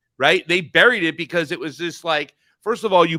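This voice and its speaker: A man with an American accent talks at a moderate pace, his tone bright and sharp, with ordinary pitch variation. The recording is very clean and dry, close with no echo, over a silent background. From Ohio, Cleveland area. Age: 50s. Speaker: radio call-in show host. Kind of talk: casual talk radio discussion.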